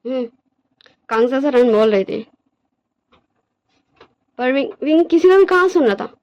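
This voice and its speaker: A woman's voice: high-pitched, expressive, unhurried, a little mellow, muffled recording. A woman casually narrating her own fan fiction story, chatty and checking in with her listeners.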